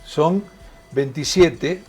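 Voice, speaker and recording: Co-hosting a morning TV talk show, a man from Argentina trades chatty, joking banter in Argentine Spanish and reads out ad figures. He speaks very slowly in a slightly high, darkish, somewhat rough voice over faint music.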